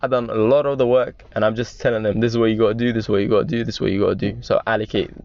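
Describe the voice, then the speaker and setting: A man's voice: on the low side, little pitch movement, very fast, darkish tone, no room sound. A man in his twenties, originally from Iran, chatting confidently as a rider in a car, often restarting his sentences. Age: 20s. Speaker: guest. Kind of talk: casual chat. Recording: dull lo-fi sound with road noise.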